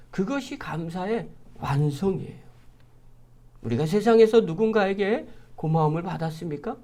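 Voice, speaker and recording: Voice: medium pitch, a little mellow. A pastor giving an early-morning sermon, speaking earnestly and putting one rhetorical question after another to the congregation.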